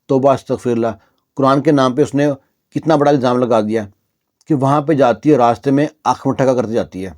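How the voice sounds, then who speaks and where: A man's voice: mid-range voice, a little mellow. A man narrating a village story in a conversational way, with repeated fillers and restarts.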